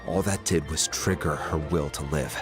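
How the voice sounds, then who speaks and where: An actor playing a gruff older tribal chief, a weary uncle figure telling stories in a video game. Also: male voice, very deep voice, normal speed, music in the background. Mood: explaining.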